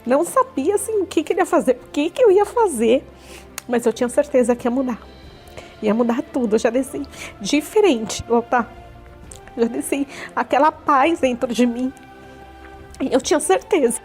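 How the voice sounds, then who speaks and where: A woman's voice: high-pitched, darkish tone. A Brazilian woman in her forties giving an earnest personal testimony, often repeating herself. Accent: Brazilian Portuguese. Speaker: church member giving a testimony. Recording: faint music underneath.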